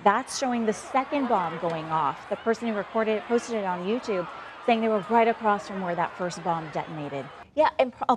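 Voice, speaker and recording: A woman's voice: medium pitch, noisy background. A woman anchoring a live local morning TV newscast, talking to viewers directly in a conversational way.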